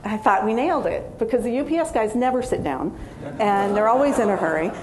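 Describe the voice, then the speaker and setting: A woman's voice: on the high side, lively intonation, brisk, noisy background. A woman in her forties, a physical therapist, giving a conversational conference talk from a stage, with fillers and quoted asides. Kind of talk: conference lecture.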